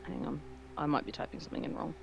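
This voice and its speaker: A woman's voice: rapid-fire, soft background music. A woman talking casually as a player in a tabletop roleplaying game.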